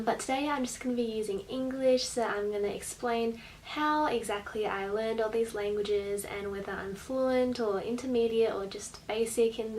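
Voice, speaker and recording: A woman's voice: fairly high pitch, poor audio. Young Australian woman, faint background noise. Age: late teens to young adult. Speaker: vlogger. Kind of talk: casual explanatory vlog talk to camera. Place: small bedroom indoors.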